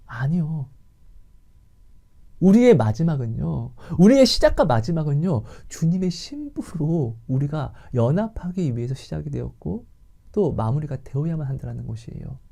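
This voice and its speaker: A woman preaching a sermon in a dramatic way, dropping to hushed whispers and rising to loud outbursts, and acting out imagined conversations. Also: low-pitched, big pitch swings, moderate pace, creaky. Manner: acts out imagined dialogue. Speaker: Christian speaker sharing faith teaching.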